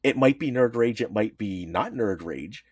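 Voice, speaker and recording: A male podcast co-host talking in a loose, rambling way, often breaking off and restarting mid-sentence. His pitch swings widely as he talks. The recording is dry and close, with no room sound. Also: moderate pace, husky, no room sound. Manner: rambling, animated, many restarts. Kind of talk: casual chat.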